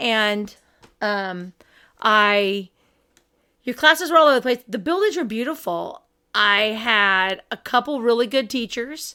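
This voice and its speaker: A woman with a Midwestern US accent speaks at a fairly slow pace with long, frequent pauses, her fairly high voice energetic and bright, sharp in tone, on a very clean recording with a silent background. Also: lively intonation. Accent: US Midwest. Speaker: podcast host, small business accountant. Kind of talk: casual chat.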